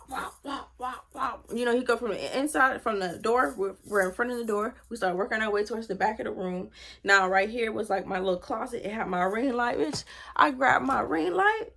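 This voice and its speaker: A woman telling a personal story to her viewers in a casual vlog, animated and slangy, speaking to them directly. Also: a little high, vocal fry. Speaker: storytime vlogger.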